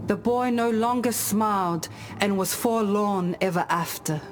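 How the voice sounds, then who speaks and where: An actress playing a solemn tribal woman who tells ancestral fables in a measured, grave, deliberate way for a video game. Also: medium pitch, over music, lightly acted. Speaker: game character storyteller. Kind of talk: scripted storytelling of parables.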